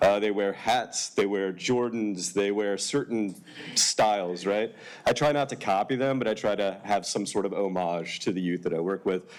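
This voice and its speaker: A man speaks with an American accent in a plain, everyday voice. His pitch is fairly low with ordinary variation, at a moderate pace. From United States. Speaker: professor. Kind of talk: conference talk.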